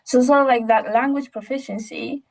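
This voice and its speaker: A young Polish woman, a biochemistry student and native Polish speaker, chats through casual interview answers in a high voice. She's informal, with frequent asides, keeping a steady tone at normal speed. The recording is rough.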